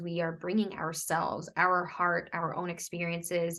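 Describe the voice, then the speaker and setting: At a moderate pace, a woman with a fairly low pitch speaks in a monotone, flat intonation. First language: Portuguese. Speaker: actress. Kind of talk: interview. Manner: halting, many fillers.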